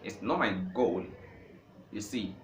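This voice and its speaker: A man's voice: lowish voice, expressive, takes it slowly. A Nigerian man, a native Igbo speaker, giving an informal talk on learning languages. He speaks emphatically, repeats phrases for stress and builds to impassioned peaks. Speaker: language teacher. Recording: echoey room with faint background noise.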